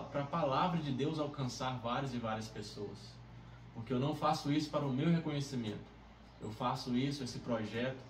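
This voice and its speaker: A man with a Brazilian accent speaking earnestly as he leads a devotional Bible reading. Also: medium pitch. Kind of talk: devotional introduction, prayer and Bible reading aloud. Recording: roomy, distant mic, faint background noise.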